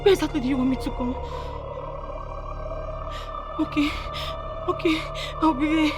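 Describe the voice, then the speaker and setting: A woman's voice: sits high, steady tone, moderate pace, music in the background, lightly acted. An actress playing a terrified young woman who begs for her father's life. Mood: pleading. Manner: pleading, frantic. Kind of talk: film drama acting.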